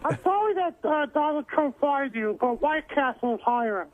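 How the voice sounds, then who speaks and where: A man making a mocking joke call to a radio show in a squeaky, childlike voice. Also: lively intonation, moderate pace, phone-quality sound. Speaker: prank caller.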